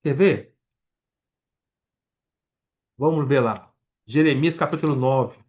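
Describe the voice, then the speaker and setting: A Brazilian preacher with a Brazilian Portuguese accent takes his time, his medium-pitched voice a little mellow, as he reads scripture verse by verse in a Bible-study sermon. Addressing the congregation directly, he restarts words and explains along the way, captured in lo-fi sound.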